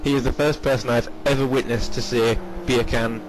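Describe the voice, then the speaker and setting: A man co-commentating an online race, upbeat and easily excited. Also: mid-range voice, normal speed, background noise. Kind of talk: live race commentary and interview.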